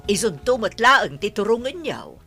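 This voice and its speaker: A woman voicing a stern older mother in an audio drama, sharp when scolding and fond with her children. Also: medium pitch, sing-song, normal speed, faint music behind.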